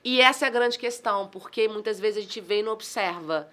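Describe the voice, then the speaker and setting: A woman with a Brazilian accent, a communication trainer chatting as a podcast guest, animated and exclamatory, acting out the dialogue in her stories. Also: medium pitch, brisk. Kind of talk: casual podcast conversation.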